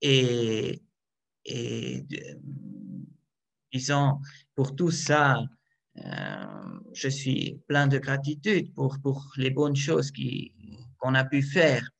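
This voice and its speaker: A Swiss priest whose first language is German, speaking French slowly and carefully. His voice sits at a middle pitch, and he pauses often with fillers and restarts. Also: sing-song, gravelly. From Switzerland. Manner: hesitant, many fillers and restarts. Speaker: priest, guard chaplain. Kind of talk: interview answers.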